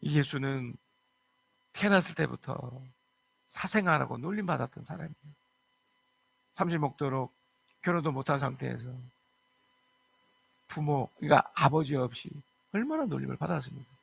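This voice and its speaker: A man's voice: mid-range voice, animated, normal speed, creaky, long pauses, a bit bright, slightly rough, poor audio. A man preaching a church sermon as pastor, reading scripture verses aloud and retelling a parable in earnest.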